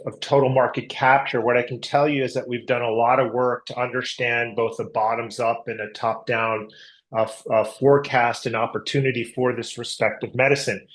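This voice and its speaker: A man with a mid-pitched voice answers questions on an earnings call as a company executive. He explains in a measured, corporate way, using plenty of medical and market jargon. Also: rough recording.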